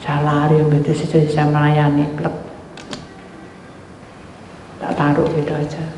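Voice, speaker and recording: Animated woman pastor in an echoing hall. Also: normal speed, slight background noise. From Indonesia. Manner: animated storytelling, swings between loud high exclamations and hushed asides. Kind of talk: sermon with acted-out anecdotes. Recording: echoey hall with long reverb.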